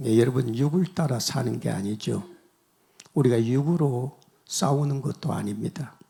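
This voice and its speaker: A man's somewhat breathy, dark and mellow voice at medium pitch, with ordinary pitch variation and a fairly slow pace. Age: 80s+. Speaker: guest pastor. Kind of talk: sermon.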